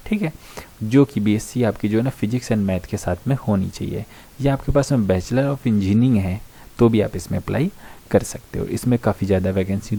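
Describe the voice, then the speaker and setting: A man's voice: fairly low pitch, mellow. An Indian man giving an informal explainer to students, going point by point in a conversational way with frequent short check-in tags. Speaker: online educator explaining job vacancies to students. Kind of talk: informal explainer, talking through a notice point by point.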